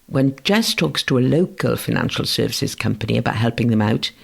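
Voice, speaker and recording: A man from Wales whose first language is Welsh, giving a scripted lesson on freelance writing in a measured, gentle way. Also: mid-range voice, vocal fry, slightly rough. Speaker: writing course instructor. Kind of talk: scripted educational narration.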